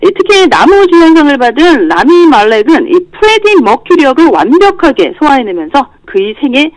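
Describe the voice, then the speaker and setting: A woman delivering a lively entertainment news report on a radio show. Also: high-pitched, normal speed, no room sound, poor audio. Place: radio studio.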